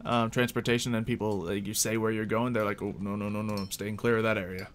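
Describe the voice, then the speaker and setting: A man's voice: lowish voice, level tone, fast, a little hiss or hum. Man casually running a tabletop roleplay game. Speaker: game master.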